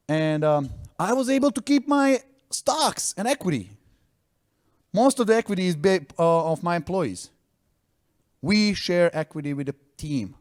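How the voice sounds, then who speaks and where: Energetic man giving a stage talk. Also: on the high side. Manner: energetic, non-native phrasing, acts out quotes. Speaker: startup founder presenting to an audience. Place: event stage.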